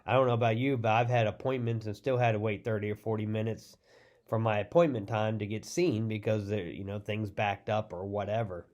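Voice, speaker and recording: A middle-aged man, a pastor, giving an informal sermon teaser in a congested voice, with a halting delivery full of restarts and ums. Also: lowish voice, steady tone, darkish tone, dull audio.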